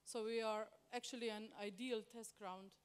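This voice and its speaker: Higher-voiced woman panelist. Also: fairly even intonation, moderate pace, smooth. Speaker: business panelist. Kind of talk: panel discussion answers.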